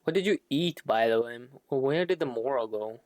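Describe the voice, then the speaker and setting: Female game streamer, low voice, unhurried, offhand live reactions, very dry close mic. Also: expressive, a little mellow, dry recording. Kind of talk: casual live reaction commentary.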